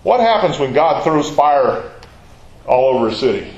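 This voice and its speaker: A man's voice: mid-range voice, sing-song, normal speed, a little mellow, echoey room, lo-fi sound. A man teaching a Bible study, talking in a conversational way and asking his listeners questions.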